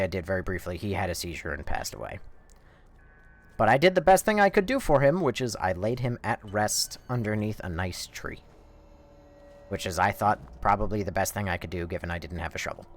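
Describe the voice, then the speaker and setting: A man streaming a game, telling a story in a rambling, profane, casual way. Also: fairly low pitch. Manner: rambling, profane, laid-back.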